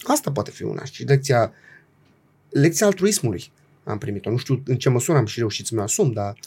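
A man with a medium pitch and a dark, mellow tone speaks at a fairly quick pace with lively intonation. His voice is somewhat breathy, and the recording is very clean with a silent background. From Romania. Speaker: actor. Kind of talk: casual chat.

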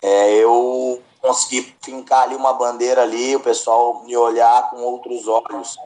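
A man uses an unremarkable speaking voice at medium pitch, with ordinary pitch variation, a fairly slow pace and hardly any pauses. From Bagé, Rio Grande do Sul, Brazil. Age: 20s. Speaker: muay thai fighter. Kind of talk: interview.

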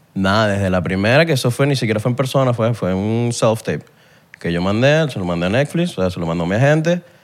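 Very fast male speech at a medium pitch, with lively intonation. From Venezuela (Valencia). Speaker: actor. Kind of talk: casual chat. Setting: studio.

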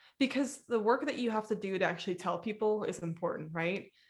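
The speaker has a Midwestern US accent. The pace is fairly quick. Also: woman. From US Midwest. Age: 20s. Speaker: bulimia recovery coach and podcaster. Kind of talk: casual interview chat.

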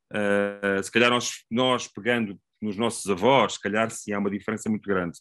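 Here a man talks at a moderate pace in a fairly low pitch with monotone, flat intonation. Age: 40s. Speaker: father with parenting social media page. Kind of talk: casual chat. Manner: halting.

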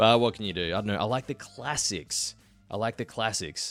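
On a very clean recording with a silent background, a man with an Australian accent lets his pitch vary in an ordinary way. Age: 30s. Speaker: podcast host, former streamer. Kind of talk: casual solo podcast chat.

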